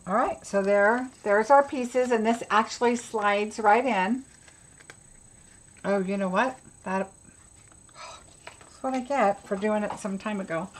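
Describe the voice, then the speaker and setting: Pausing often and moving a little slowly, a woman with a middle-pitched voice teaches a relaxed, chatty craft class live. She describes each tiny step while working, half addressing herself.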